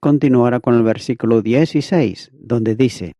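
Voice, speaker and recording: A man reading an expository Bible commentary in a measured, methodical way, as if teaching from a prepared text. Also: mid-range voice, mellow, no room sound. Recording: dull, lo-fi, dry recording.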